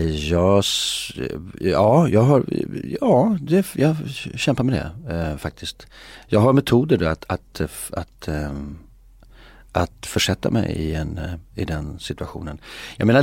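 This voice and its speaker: A middle-aged man in a reflective interview, musing philosophically and often pausing with filler sounds. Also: sits low, very animated, breathy edge, no echo, studio quality. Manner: hesitant, many filler sounds. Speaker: interview guest. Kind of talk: reflective conversation.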